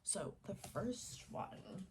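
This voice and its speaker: A woman softly role-playing a friendly, easygoing student advisor in an ASMR style, casual and halting, with some whispering. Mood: calm, explanatory. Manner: casual, unhurried, halting with trailing pauses. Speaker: ASMR roleplayer. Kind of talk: ASMR roleplay, soft-spoken with some whispering. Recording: faint noise, keyboard typing and clicking. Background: typing, tapping and clicking sounds.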